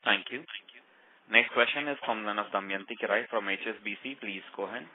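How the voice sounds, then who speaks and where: A man's voice: fairly low pitch, a little fast. A man working as a conference call operator, making formal, courteous scripted announcements over a phone line. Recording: narrowband phone line with clicks and noise.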